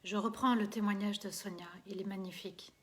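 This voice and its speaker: A woman religious teacher answers viewer questions live, in a mid-pitched voice. She is hesitant, with many fillers and restarts. Her phrases often trail away softly. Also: steady tone, brisk.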